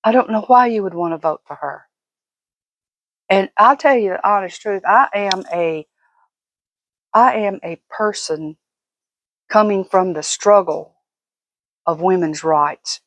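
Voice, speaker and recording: An older woman talks to her vlog audience in an unhurried, folksy way. She delivers a casual, opinionated monologue with an emphatic, fussing manner, at a middling pitch in a dry, close-sounding recording. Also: no echo. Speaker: vlogger.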